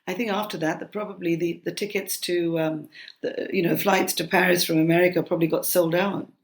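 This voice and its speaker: A woman in her sixties with a gravelly, fry-edged voice, raised in Britain, talking over a remote call from home. She answers in a loose, hesitant way, full of ums and false starts, like a cookbook author chatting about her life. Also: on the low side, steady tone, fairly quick. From United Kingdom. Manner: hesitant, many ums and restarts. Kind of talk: relaxed conversational interview.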